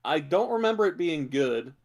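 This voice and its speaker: A man's voice: a little high, big pitch swings, moderate pace. A man co-hosting a podcast, chatting casually about films and shows, thinking aloud as he goes. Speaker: podcast co-host.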